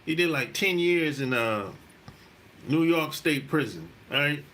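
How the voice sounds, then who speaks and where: A man's voice: on the high side, expressive, slow pace, fairly bright tone, a little hiss or hum. A middle-aged man from South Carolina, hosting a podcast and telling a story in a loose, profane way, full of "you know.". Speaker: podcast host. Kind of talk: casual storytelling monologue.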